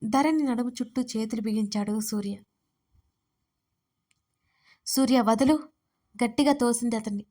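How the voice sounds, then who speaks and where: Woman reading out her own story, steady pace, voice on the high side. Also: brisk. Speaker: writer and narrator. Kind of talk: storybook narration.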